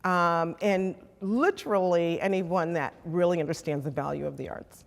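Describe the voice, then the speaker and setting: A woman's voice: lowish voice, moderate pace, gravelly. A woman giving a conversational interview as an arts director, explaining things appreciatively, recorded in a reverberant church. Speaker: executive director of an arts organization, interview guest. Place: inside an old granite church. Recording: long reverberant hall echo.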